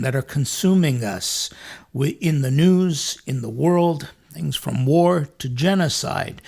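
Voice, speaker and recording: An earnest male priest hosts a studio interview, thinking aloud and restarting his phrases as he goes. His voice sits a touch high for a man and carries a gravelly edge. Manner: earnest, reflective, with many restarts. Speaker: priest and show host. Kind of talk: conversational interview. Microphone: studio mic.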